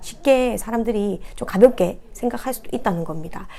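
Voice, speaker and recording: A woman with a fairly high pitch and a dark, mellow tone talks at a moderate pace with lively intonation. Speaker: motivational speaker and author. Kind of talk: motivational talk to camera. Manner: talkative; relaxed.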